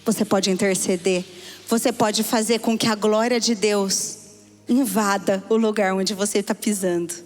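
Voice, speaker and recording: A woman with a Brazilian Portuguese accent preaching a sermon, telling a story and swinging between hushed and excited tones. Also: mid-range voice, normal speed, soft background music. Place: church hall. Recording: hall reverb.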